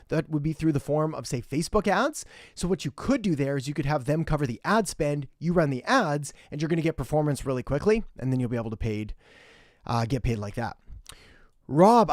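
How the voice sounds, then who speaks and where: A man's voice: on the high side, a little mellow, no room sound, clean studio sound. A young man hosting a live marketing Q&A, chatty and direct, greeting viewers by name and giving blunt advice. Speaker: marketing host. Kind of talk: live-stream Q&A, casual chat. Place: home in western Canada.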